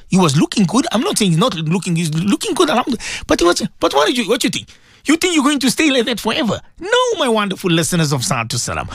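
A man's voice: high-pitched, a bit bright, dry recording, studio quality. A middle-aged man hosting a religious radio show, talking to listeners in an emotional, pleading way and often repeating himself.

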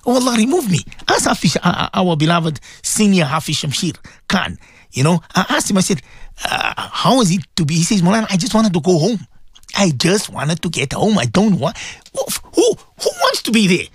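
A man's voice: sits high, big pitch swings, moderate pace, slightly rough, dry recording, studio quality. A middle-aged man hosting a religious radio show, talking to listeners in an emotional, pleading way and often repeating himself.

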